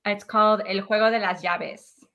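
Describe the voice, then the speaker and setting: A woman's voice: mid-range voice, steady tone, moderate pace, sharp tone, muffled recording. A woman from Mexico City whose first language is Spanish, a writer and director chatting as a podcast guest in a friendly, talkative way. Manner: chatty, friendly, quotes others lightly. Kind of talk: casual interview chat.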